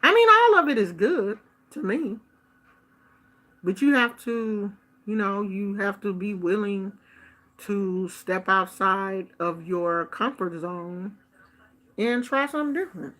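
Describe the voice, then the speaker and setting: Chatty woman with a bright voice. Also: medium pitch, slow pace. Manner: chatty, expressive, animated quoting of others. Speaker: vlogger. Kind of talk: casual storytelling. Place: Bay Area.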